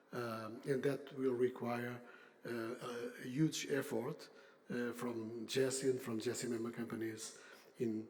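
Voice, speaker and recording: An older man, a chief executive, giving a semi-formal unscripted conference speech with halting, deliberate phrasing. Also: medium pitch, mellow. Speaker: industry association CEO, panel speaker.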